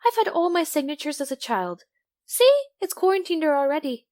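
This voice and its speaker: A woman's voice: high-pitched, very animated, a little fast, darkish tone, no room sound. A woman playing a composed, protective female computer program in an audio drama, with matter-of-fact delivery.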